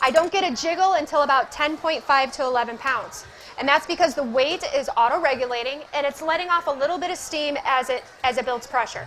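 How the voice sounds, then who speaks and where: A woman speaks loudly in an animated tone. Her pitch varies in an ordinary way. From Upper Peninsula of Michigan. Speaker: canning instructor. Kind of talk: live demonstration.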